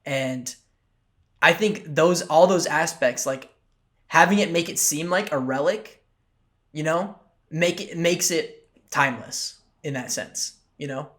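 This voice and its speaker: A man's voice: a little high, unhurried, fairly bright tone. A young man co-hosting a podcast, talking casually with lots of fillers and steering the talk with questions. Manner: filler-heavy, leads questions. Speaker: podcast co-host.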